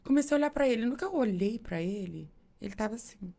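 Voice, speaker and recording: A woman co-hosting a podcast, telling a family story with lively acted-out dialogue in casual chat. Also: a little high, quick pace, creaky. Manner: animated storyteller, acts out dialogue. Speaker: podcast co-host, mother.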